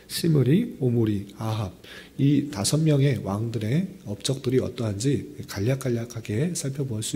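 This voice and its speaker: A male pastor leads a service in a formal, measured way, reading scripture and explaining it. His voice is hoarse from a throat cold, with a heavy gravelly creak and a soft, dark tone. The delivery stays polite and orderly. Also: medium pitch. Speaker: pastor leading a dawn prayer service. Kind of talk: scripture reading and expository sermon.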